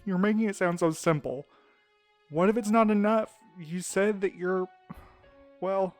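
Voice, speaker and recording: An actor in an audio drama playing a tender, grieving man who speaks haltingly and pleads with his lover. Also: sits high, soft background music. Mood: anxious.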